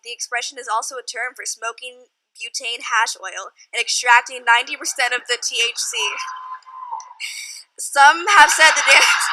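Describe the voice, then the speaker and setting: A woman's voice: a little high, background noise. A woman in a convention audience, reading aloud at a Q&A and giggling. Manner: giggly, amused. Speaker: audience member asking a question.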